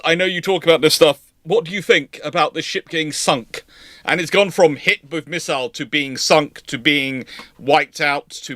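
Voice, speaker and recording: A man's voice: mid-range voice, fairly bright tone, dry recording. A man hosting a live question-and-answer stream, talking in a wry, discursive way with sarcastic asides. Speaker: host.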